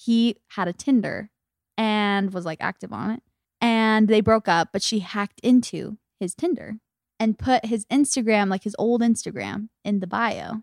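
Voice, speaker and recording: In a plain, everyday voice with ordinary pitch variation, the speaker goes at a fairly slow pace, captured in a very clean recording with a silent background and a dry, close sound with no echo. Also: woman, fairly high pitch for a woman. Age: 20s. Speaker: podcast host. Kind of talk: casual chat.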